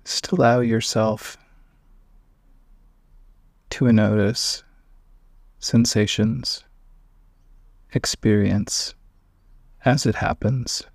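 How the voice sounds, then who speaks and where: A man leads a guided meditation at a very slow pace, leaving long gaps between short phrases. His calm voice has plenty of gravelly fry and stays level in pitch. He is heard up close, in a measured, instructional manner. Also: no echo.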